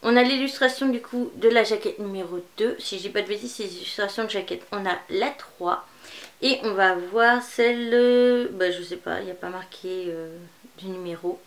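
A woman's voice: mid-range voice, moderate pace. A woman presenting manga in a casual unboxing vlog, chatty and rambling, with many fillers. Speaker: manga YouTuber.

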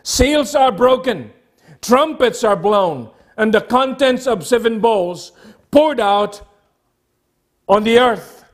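Slow, high-voiced preaching man. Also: animated. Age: middle-aged. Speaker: pastor preaching. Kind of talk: sermon. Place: church sanctuary, at a pulpit.

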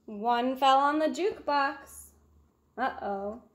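Young woman reading a picture book to little kids, high voice, unhurried, bit echoey room. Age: 20s. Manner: simple, expressive, addressing young children. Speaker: read-aloud storyteller. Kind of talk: children's picture book read-aloud. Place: small room at home, indoors. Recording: roomy home recording.

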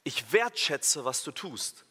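A pastor giving a sermon, emphatic and lively, acting out imagined inner voices and now and then correcting himself mid-sentence. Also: male voice, mid-range voice, slow, husky. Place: church hall. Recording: long reverb of a church hall.

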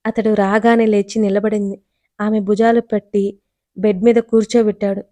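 A woman narrating a scripted audio story in a steady, even reading. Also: medium pitch, moderate pace, dry recording.

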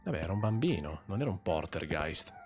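A man giving joking, swearing commentary over a horror game, yelling when startled. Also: sits low, big pitch swings, brisk, soft background music. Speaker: gaming host. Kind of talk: horror let's play commentary.

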